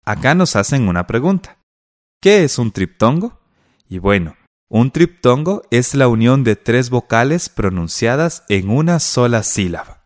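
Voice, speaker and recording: Lively-voiced male radio teacher. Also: medium pitch, a little slow, no echo, clean studio sound. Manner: clear, instructive, reading out exercise instructions. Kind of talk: scripted radio lesson.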